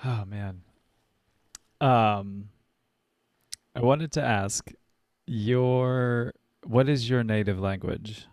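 A man with a mid-range voice hosts an interview. He asks gentle questions and offers short, kind affirmations. His voice sounds dry and close to the mic. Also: mid-range voice, very slow, pauses often, dry recording. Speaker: podcast host. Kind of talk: interview conversation.

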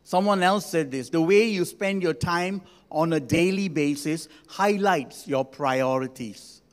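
A sixty-year-old man delivers a sermon as a senior pastor, his voice pitched a little high. He talks conversationally with gentle humor, pausing for emphasis. The sound carries the long reverb of a large hall. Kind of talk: sermon to a congregation.

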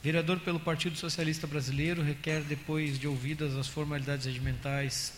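A man with a Brazilian accent reading council motions aloud in a steady, measured official tone. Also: on the high side. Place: council chamber. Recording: echoey chamber audio with faint hiss.

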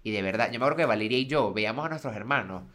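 Bright-voiced Venezuelan man, casual banter. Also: medium pitch, lively intonation, rapid-fire. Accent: Venezuelan Spanish. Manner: loose, joking storytelling with slang. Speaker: podcast co-host. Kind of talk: casual chat.

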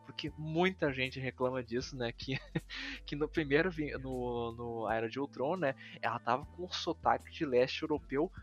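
A Brazilian man chatting casually on a podcast, often repeating words as he searches for his phrasing. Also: on the high side. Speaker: podcast co-host. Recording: dull lo-fi audio, music behind. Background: background music.

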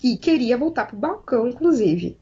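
A woman telling a story in casual chat, animated and acting out the dialogue. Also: a little high, moderate pace, highs cut off.

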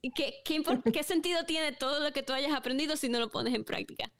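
A woman in a casual Christian discussion, talking reflectively with frequent pauses and restarts. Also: high voice, dry recording.

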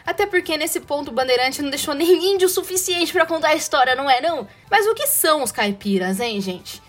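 High-voiced woman with a caipira accent. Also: animated, a little fast, soft background music. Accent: Brazilian caipira, rolled-back R. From interior of São Paulo state, Brazil. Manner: playful, sarcastic asides, chatty rhetorical questions. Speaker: podcast host. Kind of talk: casual educational podcast monologue.

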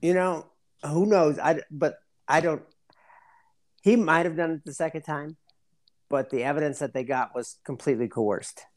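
A man explaining things in casual podcast chat, halting, with slangy, profane frat-bro talk. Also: fairly high pitch, a little mellow.

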